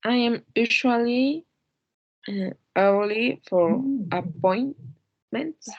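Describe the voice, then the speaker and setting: Hesitant woman answering slowly. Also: a little high, no echo, lo-fi sound. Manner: hesitant, fills pauses with "uh". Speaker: English student. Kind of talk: answering lesson exercises.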